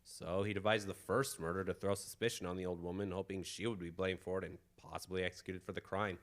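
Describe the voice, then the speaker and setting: A man playing an earnest, protective gentleman hero in an old-time radio drama style. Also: deep voice, level tone, fast, lightly acted. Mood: grave explaining.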